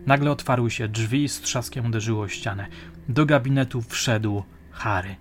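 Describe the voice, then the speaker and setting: A man narrating a crime audiobook in a measured, dramatic storytelling manner. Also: medium pitch, slight background noise. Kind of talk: audiobook reading.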